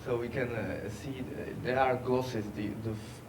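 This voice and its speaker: A man giving a technical workshop presentation, halting with many fillers. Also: medium pitch, steady tone. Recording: distant mic, background noise.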